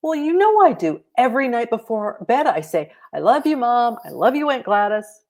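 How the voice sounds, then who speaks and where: Woman voicing an earnest, expressive young girl. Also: fairly high pitch, normal speed, pitched above the performer's own voice. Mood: eager, earnest. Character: earnest, curious young girl who loves her cat. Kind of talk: children's storybook read-aloud.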